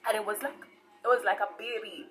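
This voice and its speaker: A woman's voice: mid-range voice, steady tone, fairly quick. Caribbean woman preaching conversationally over music. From Saint Vincent, grew up in Trinidad. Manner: conversational, repeats herself, often checks in with "right?". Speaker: online preacher and channel host. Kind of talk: informal testimony and preaching to camera.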